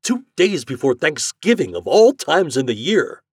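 A blustering, irate market owner from a storybook, performed by a man. He scolds and snarls in a raised, husky voice with big swings of emphasis. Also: a little high, very animated, moderate pace, no echo, clean studio sound, voice pushed up, full character voice. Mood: angry.

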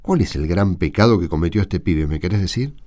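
A man's voice: low-pitched, lively intonation, a little fast, darkish tone. A man with an Argentine accent acting an indignant, argumentative catechism teacher in a radio drama. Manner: argumentative, emphatic. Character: indignant male catechism teacher defending a bullied pupil.

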